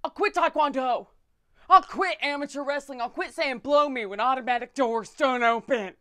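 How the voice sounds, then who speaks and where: A woman's voice: sits high, normal speed, fairly bright tone. A woman playing a hard-living, trashy bartender, pleading desperately in lists in a comedy monologue.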